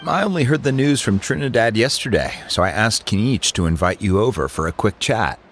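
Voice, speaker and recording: A man's voice: on the low side, animated, fairly quick, a bit bright, slight background noise. A man voicing a dignified, courteous male tribal chief who speaks formally and gets to the point in a game. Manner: formal, polite, direct. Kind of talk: game voice acting.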